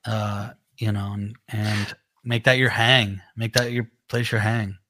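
This man's voice sits on the low side, nasal and pushed with a bright edge, and his pitch barely moves. Co-hosting a live chat as a musician, he keeps a measured pace while rambling casually, relaxed and full of filler words.

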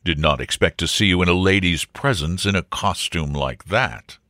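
A man's voice: sits low, normal speed, pushed and bright, no echo, clean studio sound, pitched below the performer's own voice. Man playing an earnest suitor with salesman's patter. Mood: severe. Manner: formal, precise, salesman-like patter. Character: earnest young suitor, a smooth patent-remedy salesman. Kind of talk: comic storybook reading.

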